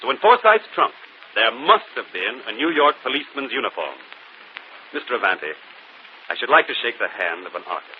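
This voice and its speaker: An actor playing a brilliant, self-assured gentleman detective in a 1940s radio mystery, explaining calmly. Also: medium pitch, brisk, close to an everyday voice. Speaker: detective and show host. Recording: muffled old radio broadcast, faint hiss.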